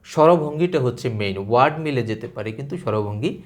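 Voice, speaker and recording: A man explaining at length, speaking straight to the listener in a measured, lecturing way and piling up examples. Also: medium pitch, animated. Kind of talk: explanatory talk to camera.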